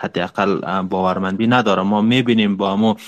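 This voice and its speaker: With ordinary pitch variation, a man talks in an unremarkable speaking voice that sits fairly low. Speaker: talk show host. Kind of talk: moderated panel discussion. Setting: online audio room.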